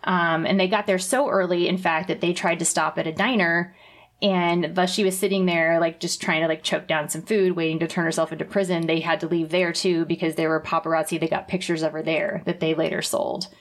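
Woman, young, podcast co-host, chatty, filler-heavy, lower voice. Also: flat delivery, fairly quick. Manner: chatty, many "like" fillers, laughs often. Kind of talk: casual chat, retelling a memoir.

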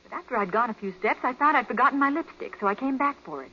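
A woman's voice: fairly high pitch, expressive, quick pace. A woman playing an anxious, earnest wife in a 1940s radio crime drama. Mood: shaken. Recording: dull vintage 1940s radio recording.

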